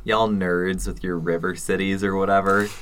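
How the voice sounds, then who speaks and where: A young man co-hosting and editing a podcast, cracking deadpan jokes. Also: sits low, normal speed. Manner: deadpan wisecracks. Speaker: podcast co-host and editor. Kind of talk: casual podcast chat.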